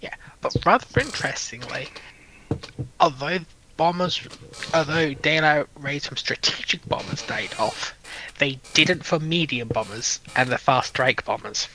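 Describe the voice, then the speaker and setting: A man speaks in a bright, slightly high voice. He talks conversationally as part of a panel, over faint noise and clicks. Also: a little slow, poor audio.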